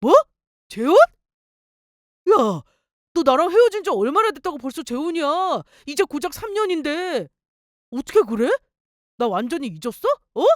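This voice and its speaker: A woman's voice: sits high, sing-song, fairly quick, no room sound, clean studio sound. A woman voicing a clingy, self-pitying ex-husband in a dramatized story reading, pleading and whining. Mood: shocked. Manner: whiny, pleading.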